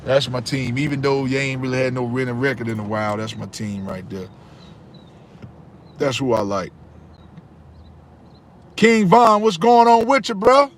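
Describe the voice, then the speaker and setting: With lively intonation and frequent pauses, a Charlotte, North Carolina livestream host in his 30s casually talks with viewers, reads their comments, and often repeats himself. His medium-pitched voice moves at normal speed over a little hiss or hum.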